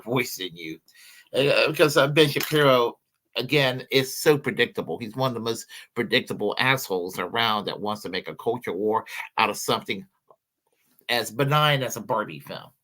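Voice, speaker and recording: A man co-hosting a casual livestream in a fairly low voice with a sharp, bright edge. He hesitates often, filling gaps with ums and you-knows. His opinions come out blunt and profane. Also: poor audio. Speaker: podcast co-host.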